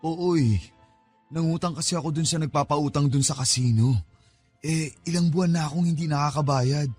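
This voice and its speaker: An actor as a wheedling, desperate gambler boyfriend in a radio drama. His voice sits fairly high, whiny and pleading, with music playing underneath. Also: moderate pace, darkish tone, close to an everyday voice. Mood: sheepish pleading. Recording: dramatic music bed behind the voice.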